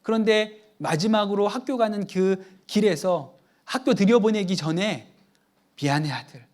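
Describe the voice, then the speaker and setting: A male pastor giving a sermon. He tells a family anecdote in a chatty, conversational way and often turns to the congregation with quick asides. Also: high-pitched, darkish tone.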